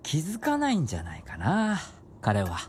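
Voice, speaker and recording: 妻に思わせぶりに答える気楽な作家の夫を演じる男性俳優。ラジオドラマの芝居。. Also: male voice, on the high side, normal speed, a little hiss or hum. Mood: playful. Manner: relaxed, teasing, evasive. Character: easygoing novelist husband, coy. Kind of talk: radio drama acting.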